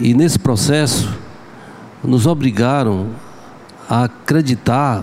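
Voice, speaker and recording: A man speaks very slowly with ordinary pitch variation while noticeable background noise carries on. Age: 60s. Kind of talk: panel discussion.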